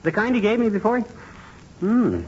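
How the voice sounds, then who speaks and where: An actor playing a blustering, boastful middle-aged husband in a 1940s radio comedy, excitable and quick to flare up, on a dull old broadcast recording. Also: male voice, high-pitched, a little hiss or hum.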